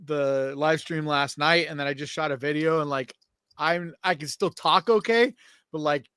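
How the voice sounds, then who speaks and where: A man co-hosting a podcast in casual chat, loose and profane, with quick upbeat reactions. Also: a little high, a bit bright, clear, resonant tone, dry recording, studio quality. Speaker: podcast co-host.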